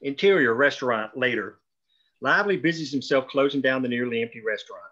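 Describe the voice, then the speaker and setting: A man narrates screenplay stage directions at a table read. His voice is bright and forward, at a middling pitch, on a dull, lo-fi recording. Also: brisk.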